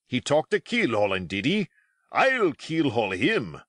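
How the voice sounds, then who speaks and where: A man voicing a crafty, blustering one-legged seafaring landlord in an audiobook, with emphatic sailor's phrasing and loud exclamations. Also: fairly low pitch, wildly swooping pitch, measured pace, no room sound, studio quality, heavily acted. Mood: excited.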